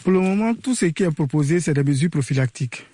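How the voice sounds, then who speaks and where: A man explains as a botanist, pausing to find words. His voice is mellow, with faint noise behind. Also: on the high side, animated. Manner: careful, searching for words. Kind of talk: interview.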